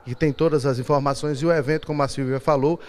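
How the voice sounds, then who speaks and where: A man's voice: a little high, fairly even intonation, fast. A man in his forties, a TV reporter, doing a live field report with prompting questions. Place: outdoors on a university campus. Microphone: handheld reporter mic.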